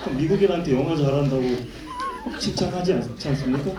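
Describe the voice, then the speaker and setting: A man from who speaks, an actor answering audience questions at a film Q&A, candid and joking, with thoughtful pauses. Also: a little high, a crowd in the background, noisy background. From Busan, South Korea. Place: cinema hall at a screening. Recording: echoey cinema hall from far off.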